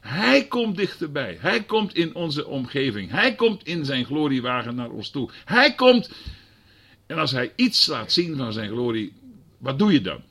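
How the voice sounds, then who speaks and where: Husky guy preaching, voice rising and falling a lot, asks the room questions. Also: medium pitch, very animated, moderate pace. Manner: swings from quiet explaining to loud fervent preaching; asks the congregation rhetorical questions. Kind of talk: sermon.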